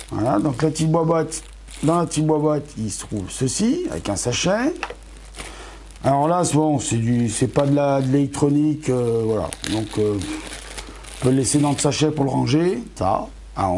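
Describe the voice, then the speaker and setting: A middle-aged man with a warm, medium-pitched voice unboxes astronomy gear for his YouTube channel amid slight background noise. Talking right to viewers, he's chatty and self-correcting, though a bit fatigued and his voice is going.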